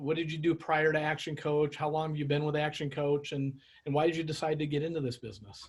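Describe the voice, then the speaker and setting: A man with an American accent, fairly high-pitched and somewhat breathy, with fairly even intonation and a very fast pace. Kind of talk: interview questions.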